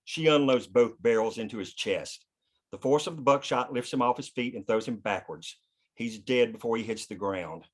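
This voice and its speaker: At a screenplay table read, a man narrates the scripted action and scene headings, reading the stage directions. His voice is medium-pitched at a moderate pace.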